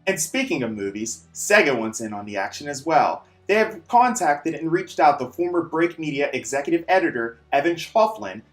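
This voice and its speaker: A man's voice: fairly high pitch, fairly bright tone. Emphatic male gaming news host, music behind. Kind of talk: scripted video game news presenting.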